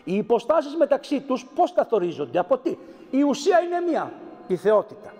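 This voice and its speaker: A man's voice: extremely high pitch, big pitch swings, a little mellow, faint music behind. A man, a priest, giving a sermon in a teaching way and acting out the lines he quotes. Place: church. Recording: echoey church hall.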